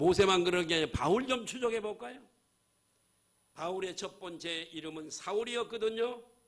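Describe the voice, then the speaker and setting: Speaking at a moderate pace, a man with a high pitch uses lively intonation and big swings in loudness. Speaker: pastor. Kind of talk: sermon. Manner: animated, repetitive preaching style.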